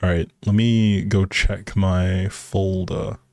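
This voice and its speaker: A man's voice: low voice, little pitch movement, slow pace, darkish tone, no echo. A man hosting a game livestream, chatting casually and thinking aloud in an easygoing way as he plays. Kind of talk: casual livestream commentary while playing a life simulation game.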